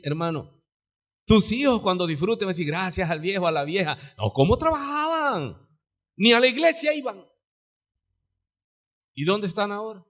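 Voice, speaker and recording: A Mexican man preaching a live sermon as pastor in his church, swinging from sudden shouts to quiet asides. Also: sits high. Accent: Mexican Spanish. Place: church sanctuary.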